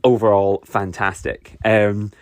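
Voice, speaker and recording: A man's voice: fairly low pitch, flat delivery, slow, darkish tone, no echo. A man with a Scottish accent hosting a podcast, chatting enthusiastically and rambling a little, with lots of fillers and restarts. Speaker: podcast host. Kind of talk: casual solo podcast recap.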